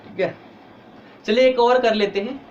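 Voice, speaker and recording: A man with a very high voice and a tired, headachy edge teaches an online exam-prep history class at a normal pace, explaining step by step and quizzing his students. The audio is lo-fi with slight background noise.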